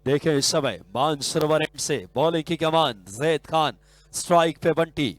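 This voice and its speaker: A man with a Hindi accent giving excitable live cricket commentary, his voice jumping up on big shots. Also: fairly high pitch, normal speed, no echo. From India.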